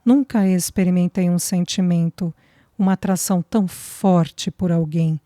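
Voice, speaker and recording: A woman's voice: on the low side, fairly even intonation, measured pace, warm tone, dry recording, lightly acted. A woman reading the lines of a young woman in love, fragile and hesitant, close to tears. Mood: tender. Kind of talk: audiobook dialogue reading.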